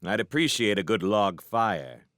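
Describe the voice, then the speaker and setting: A man's voice: lowish voice, expressive, measured pace, a bit bright, no room sound, clean studio sound. A man voicing an easygoing, polite fire demon in an audiobook. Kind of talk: audiobook character voice.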